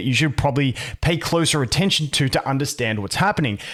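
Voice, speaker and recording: Talking at a very fast pace, this man has a fairly high pitch. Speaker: gaming YouTuber. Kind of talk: sponsored game review. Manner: casual, filler-heavy.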